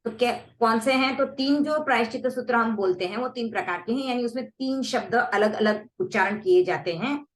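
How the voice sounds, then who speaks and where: A woman teaching a prayer recitation, explaining it and then saying it slowly word by word so listeners can repeat. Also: on the high side, roomy sound. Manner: slow, deliberate word-by-word recitation with pauses for repeating.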